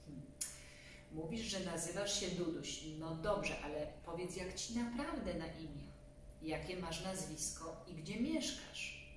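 A woman's voice: fairly low pitch, animated, unhurried. A woman voicing a friendly, patient policeman in a storybook, speaking kindly as if to a small child. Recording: echoey room, distant mic, faint hum.

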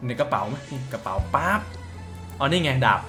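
A man's voice: medium pitch, big pitch swings, a little fast, over music. A man giving casual, crude and joking commentary while playing a mobile game, reading its dialogue aloud. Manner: crude, profane, joking banter. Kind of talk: casual let's-play commentary.

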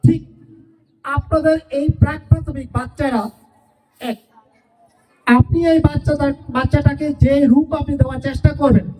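Heard from far away, a woman teacher bids farewell to parents at a school event, asking them rhetorical questions and repeating phrases to drive points home. She speaks at normal speed with long pauses, in a high, steady and slightly mellow voice.

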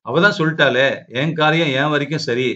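A man doing a shouting, furious orthodox son. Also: on the high side, fairly even intonation, brisk, lo-fi sound. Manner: shouting, clipped and harsh. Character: angry orthodox middle-aged son, shouting.

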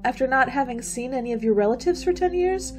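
Actress as a high, animated, anxious college girl. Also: fast talker, music in the background. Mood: puzzled. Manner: hesitant, stammering, easily startled. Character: anxious, timid young female college student. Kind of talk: radio play acting.

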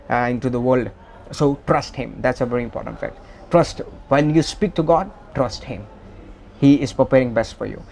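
A man hosting a Christian show, speaking earnestly and haltingly with many restarts. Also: mid-range voice, darkish tone, slight background noise. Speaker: host. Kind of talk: casual Christian encouragement.

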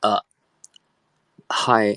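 A young man, an actor, chatting casually and playfully with fans over a phone and slipping into halting English. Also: low-pitched, a bit bright, no echo. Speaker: actor hosting a fan audio chat. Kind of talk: casual chat.

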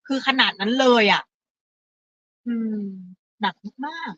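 A woman's voice: fairly high pitch, slow, fairly bright tone, no room sound, highs cut off. A woman describing the flood in earnest during a live news discussion.

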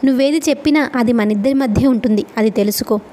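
A woman reading the lines of a calm, curious man gently coaxing a story out of someone, in her own voice. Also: on the high side, fast talker, a little hiss or hum, close to an everyday voice. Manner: plain read-aloud dialogue.

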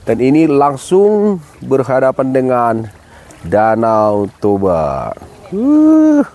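A man in his forties hosting a casual travel vlog. He speaks in a friendly, unhurried way into a phone held at arm's length outdoors, and exclaims at the views. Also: mid-range voice, wildly swooping pitch, mellow. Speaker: travel vlogger. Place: outdoors by a lake.

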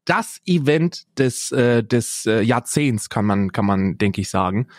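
A man chatting as a podcast co-host, restarting his sentences constantly. His voice sits in an ordinary middle pitch. The sound is dry and close. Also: animated, measured pace, no room sound. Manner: rambling, many restarts and fillers. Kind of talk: casual chat.

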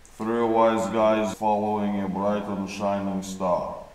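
A deadpan, stilted ensign announcer. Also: male voice, fairly low pitch, takes it slowly. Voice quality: stilted, deadpan, odd grammar. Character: stiff space-station ensign narrator. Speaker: radio show narrator. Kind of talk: comic radio drama narration. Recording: very echoey, distant mic.

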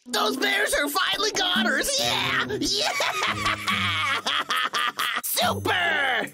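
An actor voicing an excitable, scheming, hapless logger in a cartoon, whiny and full of bluster. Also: extremely high pitch, drawn-out words, gravelly, exaggerated voice. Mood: gleeful. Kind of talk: cartoon acting. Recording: loud music under the voice.

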